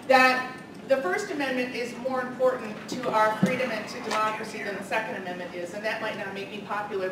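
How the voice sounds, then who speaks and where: Loud woman lecturing in an echoey room. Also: on the high side. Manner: loud, energetic, chatty. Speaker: political science professor. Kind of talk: public lecture. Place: large carpeted meeting room, indoors. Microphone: room camera from the back. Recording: echoey room from far off, noisy.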